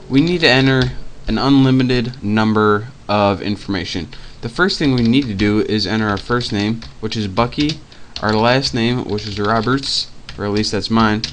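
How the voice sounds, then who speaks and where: A man casually teaching a programming screencast in a loose, chatty way, with fillers and quick self-corrections. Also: lowish voice, fairly bright tone, a little hiss or hum. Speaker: programming tutor.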